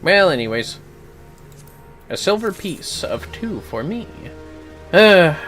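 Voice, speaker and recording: A man's voice: high-pitched, sing-song, slow pace, fairly bright tone, soft background music. A man giving casual, blunt, reactive commentary while livestreaming a game. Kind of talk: casual gameplay commentary, reads dialogue aloud.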